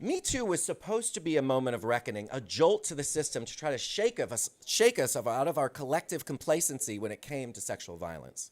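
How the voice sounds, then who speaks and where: Speaking very fast with hardly any pauses, a man with an American accent and a fairly high pitch shows vocal fry, very wide pitch swings and big swings in loudness. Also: very clean recording, silent background. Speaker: sociologist. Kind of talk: lecture.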